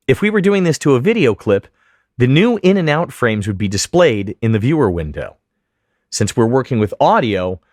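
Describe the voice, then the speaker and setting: A man giving scripted, methodical step-by-step instruction as a software tutorial narrator. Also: medium pitch, no echo, studio quality. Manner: clear, methodical, step-by-step explanation. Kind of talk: scripted instructional narration over screen demo.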